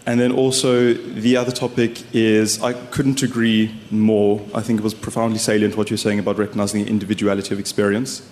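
A man's voice: on the low side, level tone, brisk, hardly any pauses, a little mellow. A man, an audience member asking an articulate, emphatic question. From South Africa. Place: lecture hall. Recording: echoey hall with faint noise.

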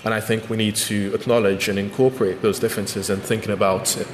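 A man's voice: fairly low pitch, little pitch movement, fast talker. Man speaking thoughtfully in an echoey hall. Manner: thoughtful, with frequent restarts and ums. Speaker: author and guest speaker. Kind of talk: measured public talk. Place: lecture hall. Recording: echoey hall with faint noise.

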